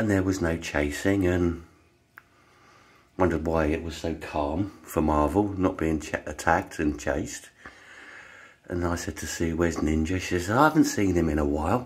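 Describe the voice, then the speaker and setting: Somewhat breathy, a man with an English accent speaks at a very deep, low pitch and a moderate pace, with fairly even intonation and long, frequent pauses. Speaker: vlogger. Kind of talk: casual storytelling.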